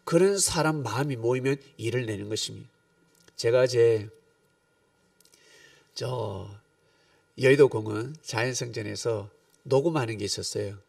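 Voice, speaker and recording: A middle-aged man preaching a sermon, telling stories with animated swings between calm teaching and loud bursts. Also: mid-range voice, normal speed, vocal fry, long pauses, no echo, recorded from a distance. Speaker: pastor.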